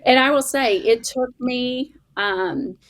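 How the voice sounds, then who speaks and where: A woman's voice: sits high, slow pace. Woman, Oklahoma accent, middle-aged, upbeat, chatty, coach on a podcast. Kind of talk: casual chat.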